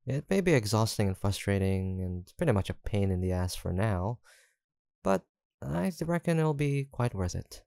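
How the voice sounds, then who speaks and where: A man's voice: on the low side, sing-song, normal speed, gravelly, darkish tone, no room sound. A young man acting an easygoing, teasing, affectionate student roommate in an intimate, casual roleplay audio drama, with hesitant banter. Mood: teasing, encouraging. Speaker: voice actor.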